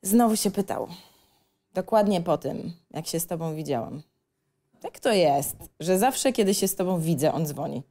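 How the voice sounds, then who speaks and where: A woman's voice: fairly low pitch, animated, moderate pace, warm tone. An actress playing an intimate, teasing and conflicted young woman lover in a screenplay reading performed as a radio play. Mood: reproachful. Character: Alicja, a teasing, conflicted 25-year-old secret lover.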